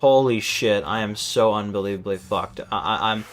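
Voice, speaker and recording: A man's voice: fairly low pitch, moderate pace. A man streaming a game with casual, exasperated, sweary running commentary, often stammering over repeated words. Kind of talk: casual live gameplay commentary. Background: game music.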